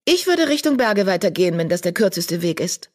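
A narrator voicing Eichhornpfote, a bold young female apprentice cat in an audiobook, speaking high and urgently. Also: very animated, brisk, natural voice.

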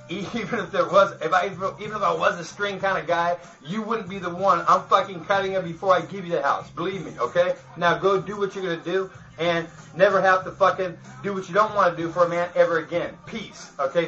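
A man's voice: sits high, brisk, hardly any pauses, sharp tone, faint music behind. A man in a rambling, profane rant to the camera, boastful and chuckling between phrases, on a dull lo-fi home video.

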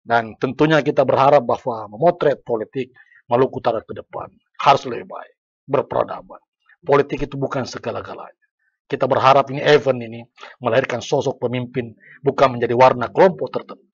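Middle-aged man, sociologist on a podcast, earnest and lecturing, husky voice, dry close sound. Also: mid-range voice, fairly even intonation, fairly quick, no room sound, muffled recording. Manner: earnest, lecturing, breaks off to reframe points. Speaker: sociologist guest. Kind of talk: podcast discussion. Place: small podcast studio. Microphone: desk mic on stand.

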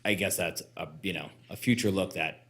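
A man speaking as a commissioner at a public meeting, thinking aloud in a halting, pensive way over slight noise. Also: sits low. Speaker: planning commissioner. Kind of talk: reflective public meeting remarks.

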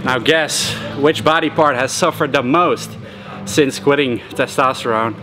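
A man talking casually while training in a gym, loose and relaxed, with lots of "like" and "you know", a little out of breath. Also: mid-range voice, a little slow. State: slightly out of breath. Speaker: fitness vlogger. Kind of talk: casual talk to camera. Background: music.

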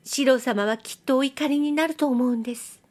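Brief: coy young girl with a soft nasal lilt, pitched high, as a woman reader puts her on. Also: fairly quick, close to an everyday voice. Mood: coy, pleading. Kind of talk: audiobook reading.

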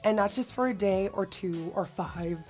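Hoarse, bubbly woman vlogging makeup. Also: mid-range voice, moderate pace, darkish tone, soft background music. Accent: Dutch. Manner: bubbly, dramatic, self-mocking. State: hoarse from illness. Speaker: beauty vlogger. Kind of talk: makeup tutorial vlog. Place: indoor studio set.

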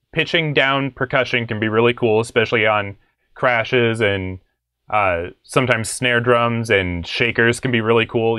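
A man's voice: medium pitch, fairly bright tone, clean tone, no room sound. Dry-sounding young man, casual tutorial host. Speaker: music production tutorial host. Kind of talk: casual screen-share tutorial. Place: small home studio room.

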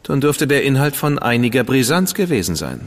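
An actor playing a confident, skeptical Victorian gentleman agent who asks pointed questions. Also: mid-range voice, very animated, a little fast, in a large hall. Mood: probing. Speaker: agent of the crown. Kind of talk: studio radio drama acting.

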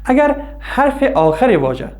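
A man's voice: very high-pitched, very animated, darkish tone. Patient male Afghan language teacher. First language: Dari. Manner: clear, patient explaining with questions and answers. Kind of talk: scripted language lesson.

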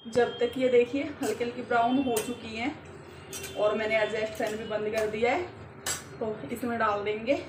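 A woman with a fairly high voice chats to her viewers while she cooks, talking through every step in a loose, filler-heavy way. The home recording is echoey, with pots and dishes clattering behind her. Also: flat delivery, normal speed, noisy background. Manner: chatty, talks to viewers while cooking, frequent fillers. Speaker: vlogger. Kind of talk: casual cooking vlog narration. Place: home kitchen and rooftop.

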